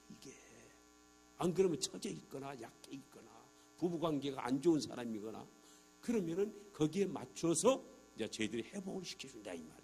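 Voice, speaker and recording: A man's voice: sits high, a little hiss or hum. A middle-aged man, a church elder, giving an evangelistic testimony sermon to a congregation, acting out conversations and asking the listeners rhetorical questions. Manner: animated, acts out dialogues in quoted voices. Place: church sanctuary.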